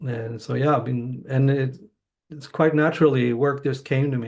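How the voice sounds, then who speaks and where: A man's somewhat breathy, medium-pitched voice with an American accent, at a fairly quick pace. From Sweden, Gothenburg. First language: Swedish. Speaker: spiritual teacher, former architect. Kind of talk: interview conversation. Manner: halting, many restarts.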